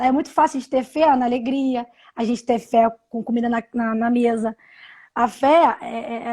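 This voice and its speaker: A woman in her thirties telling a personal story on a live video call, halting, with many restarts and repeated words. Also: high-pitched, a little mellow. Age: 30s. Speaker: interview guest. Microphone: video call from home.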